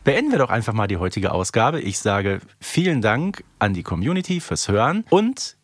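A man's voice: on the low side, big pitch swings, normal speed, husky, no room sound. A man co-hosting a podcast, talking in a casual fan discussion style. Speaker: podcast co-host.

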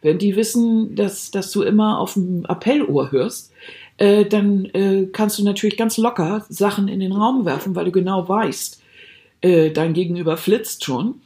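A woman co-host with a mid-range voice talks in lively, unscripted podcast chat. She teases her partner, cuts in, and acts out everyday examples. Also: mid-range voice, normal speed.

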